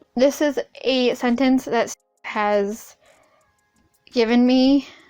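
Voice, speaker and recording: Over music in the background, a woman with a high pitch speaks very slowly with fairly even intonation. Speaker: YouTuber who stutters. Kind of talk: casual talk to camera.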